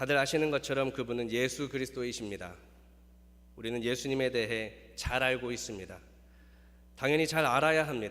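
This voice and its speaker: Speaking at a fairly quick pace, a man uses a medium pitch and fairly even intonation. He takes long, frequent pauses, and audible room echo is present. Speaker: pastor. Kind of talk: sermon. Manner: speeds up when preaching.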